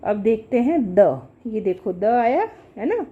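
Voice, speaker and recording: A woman's voice: a little high, very animated, takes it slowly. A woman teaching a grammar lesson, explaining step by step and checking in often with "thik hai". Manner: patient, repetitive explaining with frequent "thik hai". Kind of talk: classroom lesson at a board. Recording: dull lo-fi sound.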